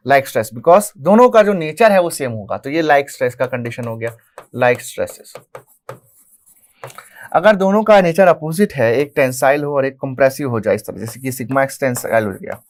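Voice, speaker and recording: A man with an Indian accent teaching an engineering class. He mixes in English technical terms, repeats key phrases and asks the class questions that he then answers himself. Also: mid-range voice. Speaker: engineering lecturer. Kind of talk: classroom lecture explaining at a whiteboard.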